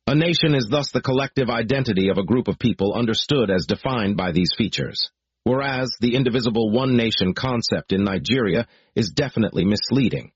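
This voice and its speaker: A man reading out a formal political declaration in a solemn, deliberate, measured way. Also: lowish voice, expressive, husky, no room sound. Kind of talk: formal read proclamation. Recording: dry, dull lo-fi recording.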